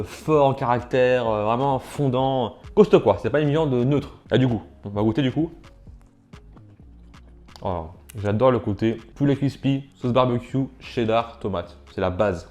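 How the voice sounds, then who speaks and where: A man chatting casually as he tastes and reviews food for his vlog, sometimes talking with his mouth full. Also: mid-range voice. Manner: chatty, talks with mouth full while tasting. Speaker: food challenge vlogger.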